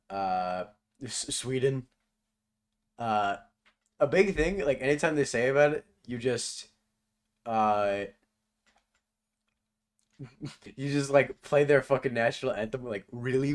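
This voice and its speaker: A young man casually commentating over his own video, laughing often, swearing and now and then yelping loudly. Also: medium pitch. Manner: laughs often, swears, bursts into loud yelps. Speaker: video essay creator doing live commentary.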